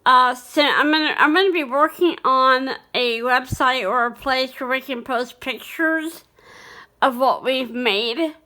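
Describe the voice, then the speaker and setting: Bright high-voiced woman vlogging casually. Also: a little slow, a little hiss or hum. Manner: rambling, many fillers and restarts. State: hiccuping. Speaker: cooking channel host. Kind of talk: casual vlog chat.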